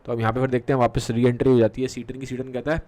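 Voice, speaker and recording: A man's voice: mid-range voice, flat delivery, darkish tone. A man teaching literature, explaining a play in casual Hindi mixed with English, full of fillers and check-ins. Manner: mixes Hindi with English terms, many fillers and "theek hai" checks; reads quoted verse slowly with halting restarts.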